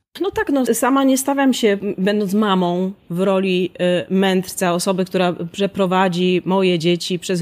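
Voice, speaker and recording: A woman's medium-pitched, ordinary speaking voice at a moderate pace. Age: 40s. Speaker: author. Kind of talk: interview.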